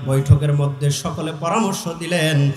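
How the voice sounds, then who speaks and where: A man with a Bangladeshi accent preaching a fervent Islamic sermon, declaiming in a drawn-out sing-song way and urging his listeners on. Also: a little high, echoey room, faint music behind. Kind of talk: fervent Bengali waz sermon with chanted verse and recitation.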